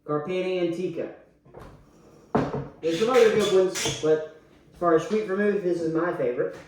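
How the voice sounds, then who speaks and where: A man's voice: high-pitched, brisk. A drunk man hosting a casual cocktail tutorial online, talking in a slangy, crude, boisterous way. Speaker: YouTube host. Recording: echoey room, faint background noise.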